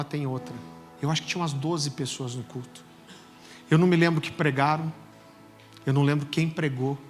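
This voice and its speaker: A Brazilian pastor in his forties preaching a sermon, telling jokey stories before turning soft and earnest. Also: on the high side. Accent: Brazilian Portuguese. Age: 40s. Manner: animated, joking storytelling that turns soft and earnest. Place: church service. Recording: long church reverb with soft music.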